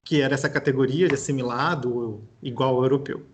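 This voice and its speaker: A man's voice: medium pitch, steady tone, brisk, muffled recording. A young man from Brazil with a Rio de Janeiro accent, a guest historian in a casual podcast interview, thinking aloud and restarting his sentences. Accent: Brazilian Portuguese, Rio de Janeiro.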